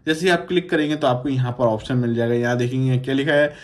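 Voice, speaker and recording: A man's voice: mid-range voice, fast talker. Man giving a casual phone tutorial. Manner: repetitive, instructional, addresses viewers as friends. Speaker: tech YouTuber.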